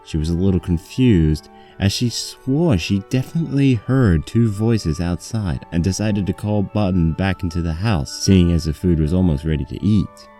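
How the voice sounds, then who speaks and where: A man's voice: low-pitched, moderate pace, few pauses, warm tone, soft background music. A man reading a scripted story aloud as its narrator.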